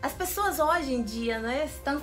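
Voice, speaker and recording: The guest on a regional TV interview show: a Peruvian-born, woman with a highish voice, explaining her project keenly. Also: lively intonation, normal speed, fairly bright tone, soft background music. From Lima, Peru. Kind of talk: enthusiastic explanatory interview answers.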